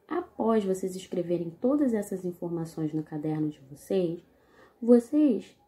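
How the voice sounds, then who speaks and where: Brief: woman, schoolteacher in a video lesson, deliberate and direct with the class, warm dark tone. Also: mid-range voice. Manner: slow, deliberate explaining, addressing the class directly. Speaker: teacher.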